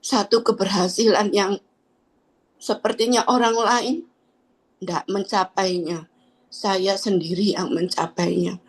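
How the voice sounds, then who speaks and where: A woman's voice: mid-range voice, fairly even intonation, takes it slowly, long pauses, husky, poor audio. A woman giving a personal faith testimony in church, speaking in hesitant, trailing phrases with frequent fillers.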